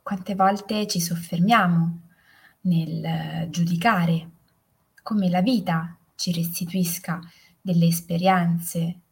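Slow, breathy woman, half-whispering. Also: lowish voice, fairly even intonation. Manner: soft, often half-whispered. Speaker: podcast host. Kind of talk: guided reflection and storytelling.

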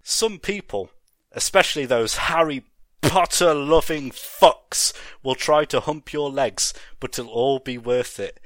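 A ranting mad scientist, as a man puts him on, shouting and gloating in a dry, close recording. Pitched up and loud, he sounds unhinged in this comic story reading. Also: a little slow, dry recording, lightly acted.

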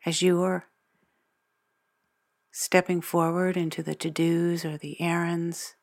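A woman narrating a guided meditation as its guide, speaking in measured, deliberate phrases with long pauses. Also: on the low side, level tone, gravelly.

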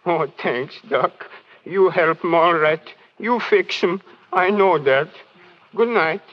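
An actor playing a worried immigrant cattle farmer who speaks halting, broken English, in an old radio drama. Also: male voice, high-pitched, slight background noise. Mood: pleading. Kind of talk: 1930s radio drama acting. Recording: dull old radio broadcast.

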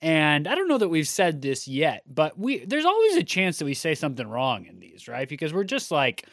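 A man co-hosting a casual theater podcast, with a deeper morning voice, chatty and quick to laugh. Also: dry recording, studio quality. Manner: relaxed, laughs easily, rambling asides. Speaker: podcast co-host.

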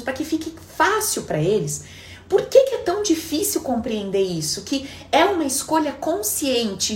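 A woman's voice: a little high, echoey room. A woman coach with a stuffy nose and sore throat, giving a live-stream talk and acting out quoted voices. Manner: expressive, acts out quoted voices. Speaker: hypnotherapist and coach.

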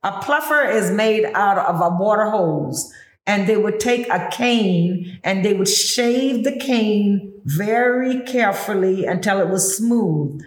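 A woman's voice: medium pitch, expressive, slow pace, roomy sound. A woman whose first language is Gullah, with a Southern Black Gullah Geechee accent, explaining things instructively as a tour guide in conversation. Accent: Gullah Geechee, Southern Black American. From Gullah Geechee community of Pinpoint, coastal southern US. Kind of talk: explanatory interview talk.

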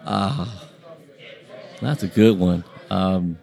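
Male, native Vietnamese speaker, lowish pitch, interview guest, reflective, hesitant, conversational storytelling. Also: drawn-out words, gravelly, a little mellow.

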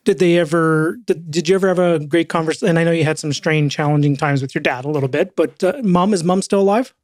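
A middle-aged man hosting a podcast, chatty and quick to laugh, telling stories and asking follow-up questions. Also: on the high side, dry recording, clean studio sound. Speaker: podcast host. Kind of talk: casual conversational interview.

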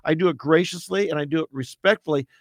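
A man who is a campus evangelist, talking as a radio interview guest in a loud, earnest, emphatic preacher's voice, often restarting his sentences. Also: on the high side, fast talker, no echo, clean studio sound.

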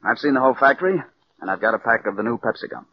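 An actor playing a sly radio writer, chatty and ingratiating, in 1940s radio style. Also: male voice, medium pitch, lightly acted. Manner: quick, lively, ingratiating. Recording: dull old radio broadcast, faint hiss.

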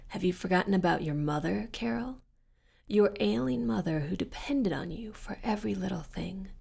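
A raspy, gravelly devil who taunts his victim with cold amusement, his thick voice sinking into hushed whispers, as a woman puts him on. He talks slowly and deliberately, relishing every word in this storybook reading. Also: medium pitch, exaggerated voice. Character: menacing male devil, raspy and mocking.

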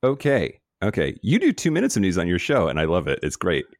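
A man's voice: low-pitched, huge pitch swings, fairly quick, over loud music. A man hosting a podcast in a casual, upbeat, enthusiastic way. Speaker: podcast host.

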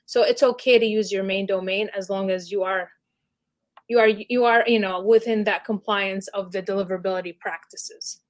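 A woman's voice: mid-range voice, steady tone, normal speed. A woman speaking as a guest expert in an interview, explaining in a casual, chatty way with lots of "you know" and "like". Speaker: email marketing specialist, guest.

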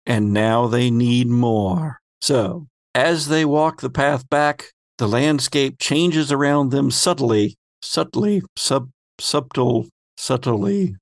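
A man hosting a tabletop game podcast as game master, narrating the story in a measured, dramatic way. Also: mid-range voice, no echo, studio quality.

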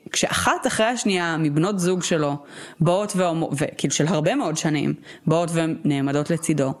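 A young woman co-hosting a podcast in casual chat, talking fast and freely with lots of fillers. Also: low-pitched. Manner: talkative, quick, with many "like" fillers. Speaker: podcast co-host.

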